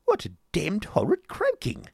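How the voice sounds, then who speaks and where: Shrill, gushing, foppish husband. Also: male voice, huge pitch swings, unhurried, gravelly, slightly rough, no echo, clean studio sound, full character voice. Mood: dramatic. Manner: theatrical, swooning, affected speech. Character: foppish, gushing, excitable husband with affected exclamations.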